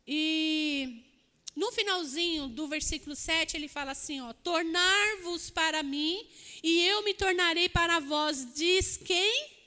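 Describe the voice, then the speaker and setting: Woman preaching in a church, really high voice, lots of hall reverb. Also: bright, forceful tone. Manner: earnest preaching, asks the congregation "Amém?". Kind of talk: sermon.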